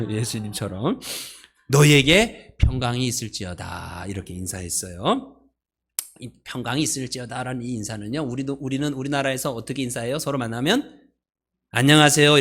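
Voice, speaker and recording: A male pastor giving a sermon in a church, conversational and playful, often asking the congregation questions. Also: medium pitch. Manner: playful, laughs at his own jokes. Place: church sanctuary.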